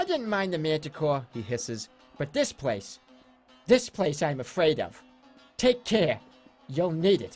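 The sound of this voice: In a put-on character voice at a middle pitch, the speaker goes at a moderate pace with long, frequent pauses, over hissing and faint background music.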